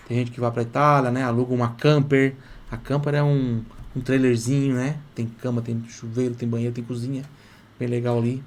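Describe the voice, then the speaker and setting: Man teaching Italian phrases. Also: mid-range voice. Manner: drills phrases slowly, asks students to repeat aloud. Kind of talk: live online lesson.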